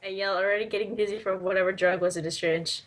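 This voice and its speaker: A woman's voice: medium pitch, steady tone, rapid-fire. A woman casually reading amateur fan fiction aloud, giggly and teasing with joking asides. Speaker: story reader.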